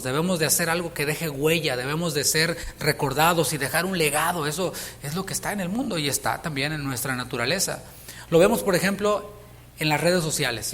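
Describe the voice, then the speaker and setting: Mexican pastor, conversational sermon delivery, rhetorical questions, echoing sanctuary. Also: male voice, fairly high pitch, fairly bright tone, a little hiss or hum. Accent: Mexican Spanish. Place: church sanctuary.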